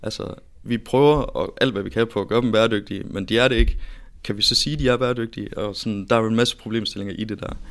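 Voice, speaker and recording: Vocal fry runs through this man's very fast delivery. His pitch is medium, with ordinary variation. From Denmark, Viborg area (central Jutland). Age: 20s. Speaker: startup founder and CEO. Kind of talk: casual interview.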